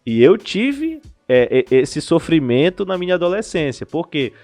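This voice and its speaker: In a casual podcast interview, a Brazilian language school director explains things in an animated way and frequently restarts his sentences. His voice is fairly high-pitched, at a moderate pace.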